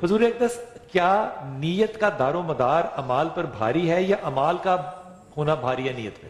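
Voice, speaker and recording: A man's voice: a little high, lively intonation. A man questioning scholars in a debate, insistent and interrupting to press for direct answers. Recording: echoey hall reverb.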